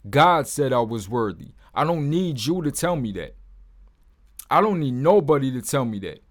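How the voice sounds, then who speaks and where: A man with a deep voice, hosting his own Christian channel, speaks to the camera in a blunt, informal way and often drops in "man.". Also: big pitch swings, normal speed. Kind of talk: casual testimony to camera.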